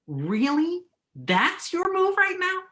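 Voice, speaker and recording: A man acting in a play reading as a blunt yet apologetic magazine journalist, speaking a little haltingly. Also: very high-pitched, huge pitch swings, exaggerated voice. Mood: exasperated. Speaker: actor in a virtual staged reading.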